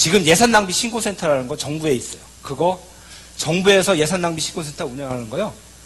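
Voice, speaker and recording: Over noticeable background noise, a man with a high pitch talks at a very fast pace, his intonation lively and his tone animated. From Cheorwon, Gangwon, South Korea. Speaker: political speaker. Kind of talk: public speech. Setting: conference hall with audience.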